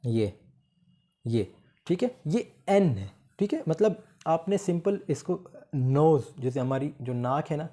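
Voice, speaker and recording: A man teaching English phonetics, mixing Hindi-Urdu talk with slowly read English definitions as he writes on a board. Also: fairly high pitch, dark tone. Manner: writes on a board while explaining. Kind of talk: lecture explaining phonetics.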